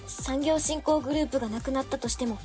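A woman's voice: high-pitched, quick pace, music in the background, close to an everyday voice. A woman playing an earnest young staffer. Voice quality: earnest and pleading. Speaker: ward office staffer. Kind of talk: amateur web radio drama acting.

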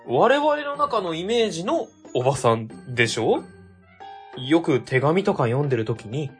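An actor playing an excitable young male colleague who gets easily flustered, in an amateur web radio drama. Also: on the high side. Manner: flustered, quick questions.

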